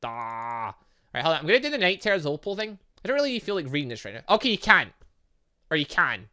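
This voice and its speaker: A game playthrough host reading aloud and commenting in a rambling, excitable, self-interrupting way. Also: medium pitch, fast talker. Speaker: gaming video host.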